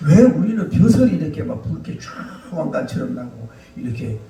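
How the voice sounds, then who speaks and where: A man's voice: on the high side, big pitch swings, a little fast, warm tone. Man doing a little chick son asking stuff, innocent, echoey room, mic far off. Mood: curious. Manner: questioning, innocent. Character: curious young chick son, small. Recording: echoey hall, distant mic.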